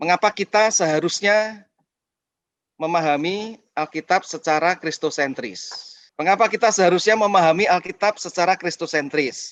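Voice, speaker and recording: A man's high voice with ordinary pitch variation, in a dry, close sound with no echo. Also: moderate pace. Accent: Javanese. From Central Java, Indonesia (Magelang). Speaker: pastor. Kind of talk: lecture.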